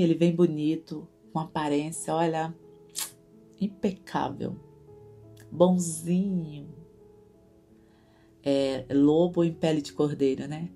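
A woman giving an earnest devotional teaching to other women, repeating words for emphasis. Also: deep voice. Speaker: Christian women's devotional host. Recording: soft guitar music behind.

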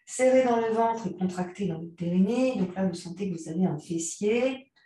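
A woman guiding a yoga class, giving calm, unhurried cues timed to the breath. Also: mid-range voice. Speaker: yoga teacher. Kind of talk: guided yoga class instruction. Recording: very echoey room, mic far off.

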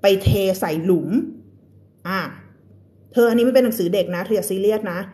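A woman with a Thai accent teaching English on a live stream. She reads a storybook slowly and carefully, then explains it in quick, chatty Thai, laughing often and greeting viewers by name. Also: mid-range voice, warm tone.

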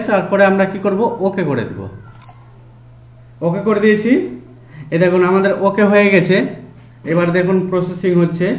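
A man with a fairly high voice and a Bengali accent talks through a screen-recorded software tutorial. He goes step by step, slowly, with frequent "ah" fillers. The room sounds echoey around him. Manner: slow step-by-step instructions, fillers. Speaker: tutorial host.

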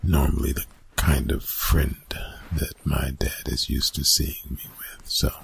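Man acting a very deep, gravelly college bully. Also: fairly even intonation, full character voice. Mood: casual, warming up. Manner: hushed, halting, casual, often breathy whispering. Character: gruff, reluctant young male college bully softening up. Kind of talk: ASMR roleplay, intimate one-sided dialogue.

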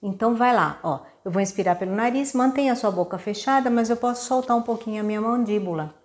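A Brazilian woman with a somewhat high voice teaches a singing lesson. She explains breathing step by step in a patient, instructive way and keeps checking in with her listeners. She breaks off now and then to demonstrate with her own voice. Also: fast talker, a little mellow. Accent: Brazilian Portuguese.

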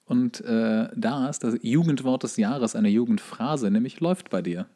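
A man's voice: medium pitch, moderate pace, warm tone. A man co-hosts a comedy podcast in a mid-range voice. He chats casually, with a joking, ironic manner. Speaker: podcast co-host.

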